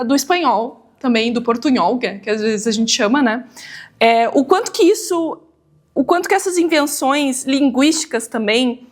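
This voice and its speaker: A woman interviewer asking long questions, often restarting phrases as she forms them. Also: high-pitched. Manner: searching, restarts phrases while forming questions.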